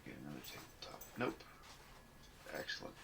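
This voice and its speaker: A man narrating a tabletop role-playing game as game master, halting as he searches for words. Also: sharp tone.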